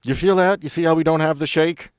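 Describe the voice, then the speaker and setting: A man playing a bossy but fond, wisecracking helicopter pilot in a tabletop game, giving brisk, bantering orders. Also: a little high, steady tone, clean tone, dry recording, clean studio sound, pitched above the performer's own voice, natural voice. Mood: appreciative, brisk.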